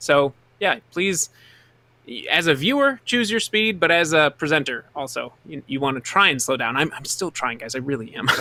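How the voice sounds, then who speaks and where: A man speaks in a bright, sharp tone at a fairly high pitch. His intonation is lively, with big swings in loudness. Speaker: video tutorial presenter. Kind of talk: podcast discussion. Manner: fast; stumbles over words.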